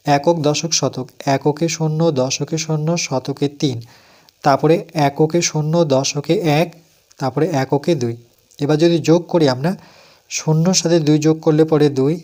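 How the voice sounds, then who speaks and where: A man's voice: a little high, darkish tone. A man with a West Bengal accent teaches a primary math lesson step by step. He counts aloud and asks questions that he then answers himself.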